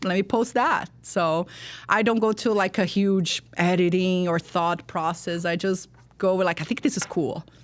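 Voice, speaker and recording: In a strong Brazilian accent, a woman speaks at a moderate pace and medium pitch. Her loudness stays very even. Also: ordinary pitch variation. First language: Portuguese. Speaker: social media influencer. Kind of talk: casual interview chat. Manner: animated.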